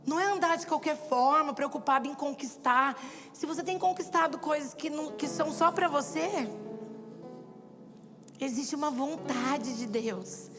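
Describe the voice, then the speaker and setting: A woman's voice: high voice, moderate pace. A woman preacher giving a sermon, telling stories and acting out the dialogue with animation. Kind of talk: sermon with storytelling. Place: church hall. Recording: long hall reverb with soft background music.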